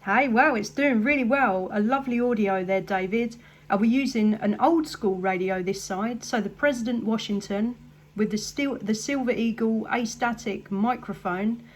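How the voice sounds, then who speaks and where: A woman's voice: fairly high pitch, moderate pace. An English woman chatting casually as a CB radio operator, upbeat and appreciative in manner. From England. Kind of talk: casual radio contact chat.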